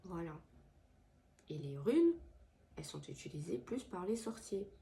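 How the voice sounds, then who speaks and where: A woman's voice: lowish voice, sing-song, unhurried, gravelly, mellow. A woman with a head cold giving casual spoken advice to her viewers, hesitant with many fillers and restarts. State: has a head cold, stuffy voice. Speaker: tarot and crystal channel host. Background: washing machine running.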